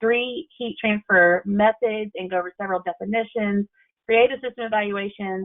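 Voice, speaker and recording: In a Southern US accent, a woman speaks at a fairly quick pace and medium pitch with fairly even intonation. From US South. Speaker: engineer and webinar presenter. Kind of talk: webinar presentation. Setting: online webinar.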